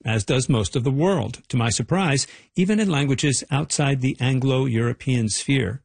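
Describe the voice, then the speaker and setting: A man's voice: mid-range voice, moderate pace, gravelly, a little mellow, husky, no room sound. A man reporting a radio feature in a wry, playful narration.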